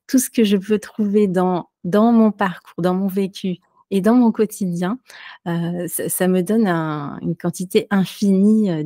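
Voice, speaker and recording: A woman who teaches French, answering interview questions casually with many pauses and fillers. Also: on the low side, mellow, dry recording, clean studio sound. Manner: hesitant, many fillers and restarts, light laughs. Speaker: French teacher and podcaster, guest.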